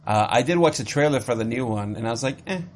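A man hosting a podcast, chatting casually and teasing his co-host in a jokey, animated way. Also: medium pitch, quick pace, slight background noise. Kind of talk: casual chat.

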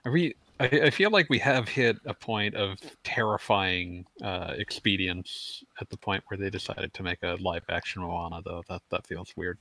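Male podcast co-host, lowish and crisp-edged, chatty and stammering, very dry close mic. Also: moderate pace, hardly any pauses, bright, forceful tone, no room sound, rough recording. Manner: rambling, stammers on restarts, laughs mid-sentence. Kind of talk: casual gaming podcast chat.

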